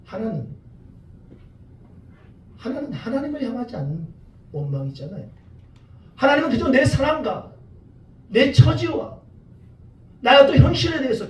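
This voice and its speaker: A man's voice: very high voice, a little mellow. A male associate pastor preaching a sermon, firing rhetorical questions and acting out prayers with passion. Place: church sanctuary in Toronto. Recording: echoey church room, far from the mic, faint hiss.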